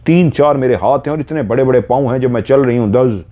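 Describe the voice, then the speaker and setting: A man's voice: mid-range voice, fast, lo-fi sound. A man telling a horror story, earnestly retelling a listener's dream in first person and drawing out repeated phrases.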